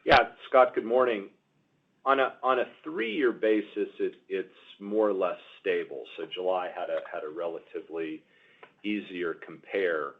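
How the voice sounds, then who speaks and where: A man answering questions as a company executive on an earnings call, halting and repeating words as he explains. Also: sits low. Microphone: conference call line. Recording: muffled narrow-band conference call audio.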